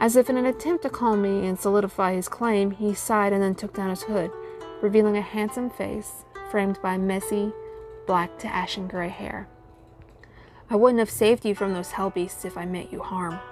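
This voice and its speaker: A woman speaks at a moderate pace and medium pitch, with fairly even intonation. Music plays in the background. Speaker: self-published author.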